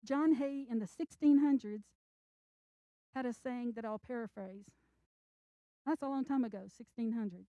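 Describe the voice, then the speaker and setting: A woman's voice: fairly high pitch, mellow, no echo, lo-fi sound. An older woman author giving an earnest, encouraging talk to an audience at a library event. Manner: earnest, encouraging, speaks slowly with emphasis. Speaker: children's book author.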